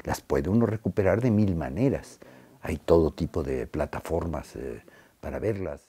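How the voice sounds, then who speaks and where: A man's voice: very deep voice, expressive, normal speed, dark tone, breathy edge. A man, a film critic and author, giving interview soundbites emphatically, with restarts and fillers.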